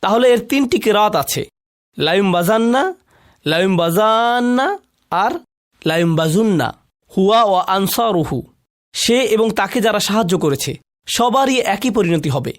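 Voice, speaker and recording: A man's voice: high voice, expressive, moderate pace. A man delivering a dubbed religious lecture, explaining meanings and putting questions to his listeners. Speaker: Quran lecturer.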